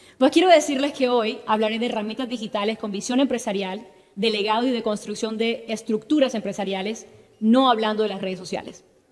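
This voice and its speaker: A woman talks at a fairly quick pace in an animated tone, her pitch fairly high. Noticeable background noise can be heard. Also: ordinary pitch variation. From Colombia, Barranquilla. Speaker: business speaker. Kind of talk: conference talk. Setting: stage with audience. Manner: fast.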